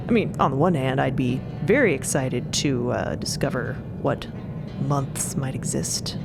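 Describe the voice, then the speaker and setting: A woman voices an eager, fidgety man of invention in an audio drama. The voice is low and musing, hesitating as it goes, with clear music behind. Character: jittery, keen male inventor on an expedition crew. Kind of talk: scripted audio fiction.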